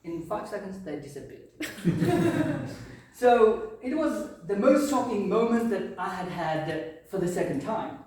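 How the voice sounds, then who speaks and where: A man's voice: high-pitched, animated, a little slow, darkish tone, slight background noise. A man in his thirties from Shymkent with a Kazakh accent, telling a funny personal story as a club speech and often laughing. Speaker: club speaker. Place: club meeting room. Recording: echoey room, distant mic.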